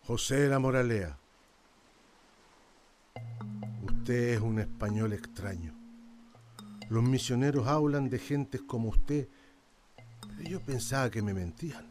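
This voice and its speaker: An actor playing a weary, humble old indigenous islander in a radio drama, speaking in a rustic, halting way with a southern Chilean accent. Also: male voice, medium pitch, a little mellow, close to an everyday voice. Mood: solemn, welcoming. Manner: rustic, deferential, halting storytelling.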